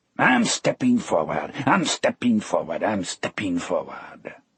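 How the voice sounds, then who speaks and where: Cackling in a put-on character voice, a man speaks at a fairly slow pace. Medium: read story. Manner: cackling, impish.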